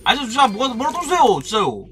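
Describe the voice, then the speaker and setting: A male gaming YouTuber gives animated commentary, his very high voice leaping all over the place. His tone is bright and forceful, and he shouts, groans and slips into mock-formal asides. Game music plays faintly underneath. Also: fast. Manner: animated, shouts and groans while opening eggs.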